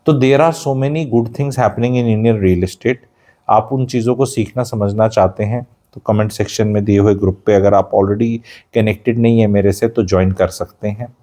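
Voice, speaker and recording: A man's voice: on the low side, steady tone, normal speed, warm tone. A man from Haryana, hosting a real estate channel, giving a blunt, sarcastic, lecturing monologue full of rhetorical questions. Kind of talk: opinionated monologue, mixing Hindi and English.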